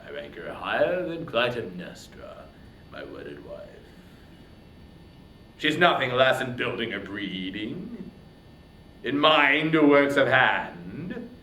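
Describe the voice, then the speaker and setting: A man voicing a proud, wrathful, grasping warrior king in a dramatic reading of epic poetry, declaiming haughtily and swinging between hushed and thundering. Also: mid-range voice, reverberant, a little hiss or hum. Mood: possessive pride.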